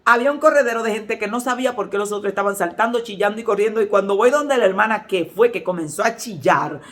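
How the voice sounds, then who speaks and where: A middle-aged woman pastor with a Dominican Spanish accent, preaching a sermon full of lively anecdotes and acted-out voices. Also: medium pitch, fast talker. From Dominican Republic.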